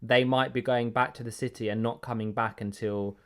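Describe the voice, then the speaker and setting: A man's voice: medium pitch, a little fast, smooth. A man with an English accent, born in Greece, co-hosting a podcast in casual, chatty conversation. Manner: relaxed, chatty, with fillers. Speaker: podcast co-host.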